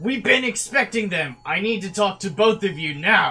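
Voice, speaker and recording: Loud and high-pitched, a man performs a put-on character voice with lively intonation at a moderate pace, with faint music in the background. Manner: intimidating, commanding.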